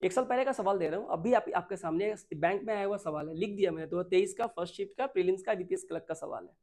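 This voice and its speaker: A man whose voice is high with a darkish tone, speaking with an Indian accent, gives a grammar lesson for exam prep. He keeps repeating points and asking his students questions, and he reads English sentences word by word, slowly.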